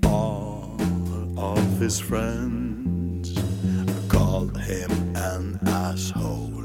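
A woman's voice: extremely low pitch, extremely slow. A woman performing a musical recitation that moves between speaking and singing. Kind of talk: slow musical recitation with sung shouts. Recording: loud guitar music behind.

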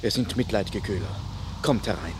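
Man acting loyal protective companion, lowish voice, solemn pleading, radio play declamation, faint ambient noise. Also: a little fast, lightly acted. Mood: concerned, urging. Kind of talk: classic German radio drama acting.

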